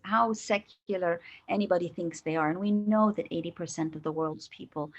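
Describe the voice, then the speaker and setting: A woman answering as a guest expert on a virtual panel, deliberate and emphatic, building her points step by step. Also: on the low side, highs cut off. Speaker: guest speaker answering questions. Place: online video call.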